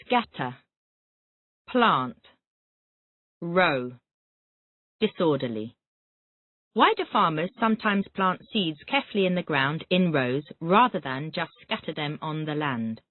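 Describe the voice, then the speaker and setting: Lively intonation marks this mid-range voice as an English teacher works through a Callan method drill. Words are read out, then quick, repetitive questions follow, all on a dry, tinny recording that resembles a phone line.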